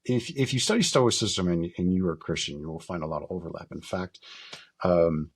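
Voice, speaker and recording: A middle-aged American man from northern Minnesota talking reflectively as an interview guest, candid and halting in his delivery. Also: low voice, slightly rough. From northern Minnesota, United States. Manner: candid, halting, casually profane. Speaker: podcast guest, military veteran and survival instructor.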